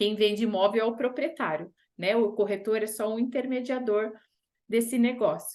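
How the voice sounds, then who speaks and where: At a moderate pace, a woman speaks at a fairly high pitch with very even loudness. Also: ordinary pitch variation. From São Paulo, Brazil (moved to Blumenau at 12). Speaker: real estate agent. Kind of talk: interview chat.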